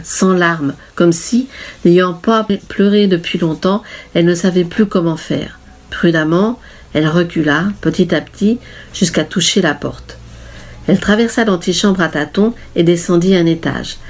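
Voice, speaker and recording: A woman narrating a story in a measured, even reading manner. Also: lowish voice. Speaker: audiobook narrator.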